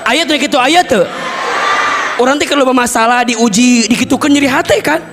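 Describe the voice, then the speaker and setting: A man with a Sundanese accent giving a lively sermon, acting out everyday conversations and breaking into loud, emphatic lines. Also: very high-pitched, normal speed, some chatter behind, slight background noise. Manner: animated, acts out everyday dialogues, bursts into loud emphatic lines. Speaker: preacher. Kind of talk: lively sermon to a mostly female audience.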